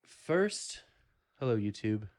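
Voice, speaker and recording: A man's voice: on the low side, very animated, takes it slowly, darkish tone. A man hosting a casual podcast chat, joking and rambling with many restarts. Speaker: podcast host.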